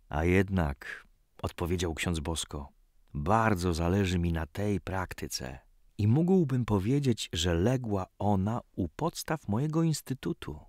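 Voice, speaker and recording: A man with a low voice narrates a scripted story like an audiobook. His delivery is unhurried and measured, with a dramatic storyteller's touch. The recording is dry and close. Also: no echo. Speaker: narrator reading a religious story.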